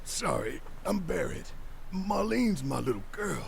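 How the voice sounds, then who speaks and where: An actor playing a big, gruff, anxious father in a video game, forceful and tender about his little girl, with a gravelly voice. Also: high-pitched, sing-song, slight background noise, exaggerated voice. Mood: sheepish, tender. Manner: forceful, emotional, halting when tender.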